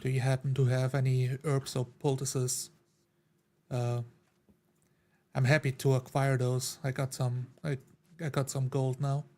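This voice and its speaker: A man's voice: mid-range voice, completely flat delivery, unhurried, pauses often, mellow, close to an everyday voice. A man playing a proud, guarded adventurer from foreign lands in a tabletop game, formal and stern. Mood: polite, practical. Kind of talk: in-character tabletop roleplay.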